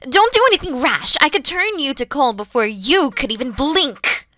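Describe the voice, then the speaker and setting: A woman's voice: high voice, big pitch swings, normal speed, bright, forceful tone, no room sound, studio quality, exaggerated voice. A woman voicing a proud, wary, motherly female dragon in a theatrical, menacing ASMR roleplay, at times dropping into whispers. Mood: suspicious, stern. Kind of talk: ASMR audio roleplay acting.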